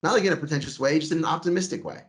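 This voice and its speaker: A man's voice: on the high side, rapid-fire. A man leading a sales training, coaching his team with energy and acting out sample phone calls.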